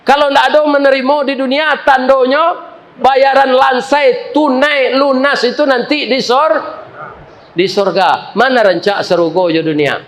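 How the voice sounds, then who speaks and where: A man's voice: very high voice, a little slow. A man with a Minangkabau accent preaching a humorous sermon, telling a story and making joking asides to the congregation.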